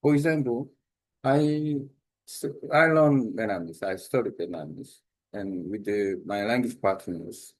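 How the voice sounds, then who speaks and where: A man with a Korean accent, a native Korean speaker, giving an informal spoken lesson on language learning, halting with many fillers and restarts. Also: on the low side, low-quality recording. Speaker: language exchange host.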